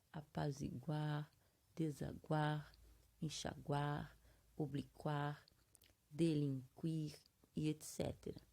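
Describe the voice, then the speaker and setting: Woman, Brazilian accent, teacher, mellow dark tone, unhurried classroom explanation. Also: sits low, creaky. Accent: Brazilian Portuguese. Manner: slow, explanatory, drawn-out syllable-by-syllable examples. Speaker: Portuguese teacher. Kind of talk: classroom lesson.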